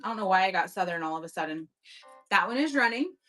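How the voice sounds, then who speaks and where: A woman's voice: mid-range voice, animated, fast talker, sharp tone, soft background music, rough recording. A woman hosting a casual live online auction from home, chatty and upbeat, thanking bidders as she goes. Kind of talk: casual live-selling chat. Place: home at night.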